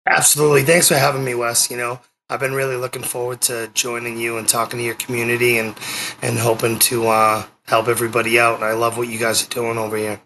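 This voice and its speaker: A man in his forties with a Boston-area accent, speaking as a guest over a remote call. His voice is gravelly and bright, and he rambles with lots of ums and restarts. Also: medium pitch, level tone, quick pace, a little hiss or hum, poor audio. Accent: Boston area, non-rhotic. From Massachusetts, US. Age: 40s. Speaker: guest, life coach and speaker. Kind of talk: casual interview chat.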